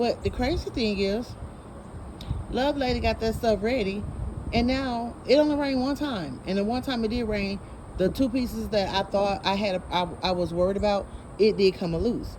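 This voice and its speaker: Over noticeable background noise, a woman speaks at a moderate pace and a fairly high pitch with ordinary pitch variation. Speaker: home gardening vlogger. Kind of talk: casual video vlog.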